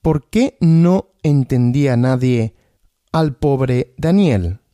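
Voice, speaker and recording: Male language-podcast host, slow question-and-answer teaching, animated pitch, dry studio sound. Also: no echo. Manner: asks questions and answers them himself, repeating.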